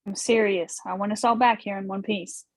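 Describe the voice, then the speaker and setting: Woman reading as defiant young wife, assertive, drama script, mid pitch, dry recording. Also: fairly even intonation, normal speed, no room sound, lightly acted. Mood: earnest concern. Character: defiant, headstrong young married woman, caring underneath. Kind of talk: screenplay table read.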